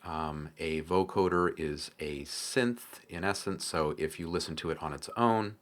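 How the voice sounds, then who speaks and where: A man hosting a casual software tutorial, explaining things informally with frequent hesitations. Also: deep voice, unhurried. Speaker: tutorial host.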